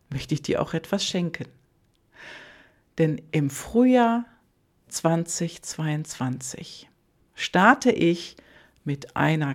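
A life coach speaking calmly and intimately in a podcast monologue, often sinking into a soft near-whisper. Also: mid-range voice.

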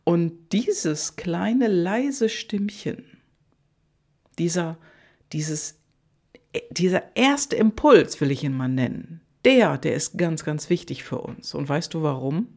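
A coach giving a motivational monologue straight to the listener, with repeated soft phrases, frequent fillers and self-corrections. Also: mid-range voice, animated, slow pace.

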